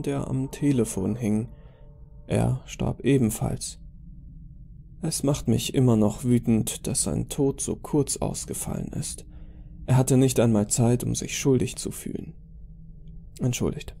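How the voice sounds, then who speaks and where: A man's voice: mid-range voice, vocal fry, dark tone. A man narrating a scripted creepypasta horror story.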